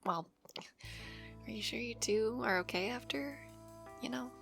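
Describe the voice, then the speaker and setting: A woman playing an affectionate, teasing working wife in an ASMR audio roleplay, chatty and expressive. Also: a little high, a little slow, creaky, faint music behind. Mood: gentle, caring.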